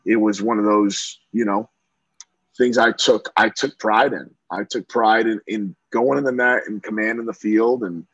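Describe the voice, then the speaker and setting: Husky-voiced man, low and talkative. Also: fairly even intonation, a little slow, fairly bright tone, no echo, lo-fi sound. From Central New York. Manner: talkative, many fillers and restarts. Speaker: lacrosse coach, interview guest. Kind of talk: casual interview chat.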